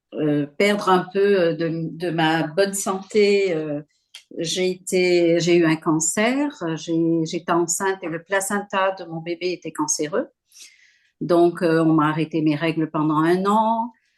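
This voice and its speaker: Very slow delivery with fairly even intonation against a quiet background. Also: woman, fairly low pitch for a woman. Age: 60s. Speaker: former shopkeeper sharing health testimony. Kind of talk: testimony. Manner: halting, many hesitations.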